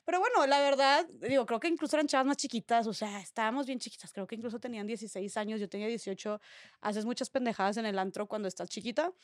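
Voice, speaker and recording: Mexican woman, high voice, slangy podcast storyteller who acts out the dialogue, dry close mic. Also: fast, no echo. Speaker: podcast co-host. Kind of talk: casual storytelling chat.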